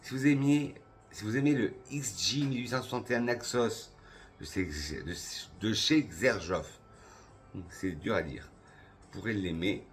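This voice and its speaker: A man from France reviewing perfumes for his channel in a casual, enthusiastic way, slowly listing notes with pauses. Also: fairly low pitch. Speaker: perfume youtuber.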